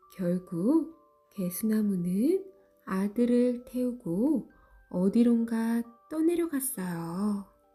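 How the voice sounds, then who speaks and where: Over background music, a woman speaks very slowly in a gentle tone, her pitch swinging very widely. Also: fairly high pitch for a woman. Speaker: storyteller. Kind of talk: bedtime story reading. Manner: soft, gentle.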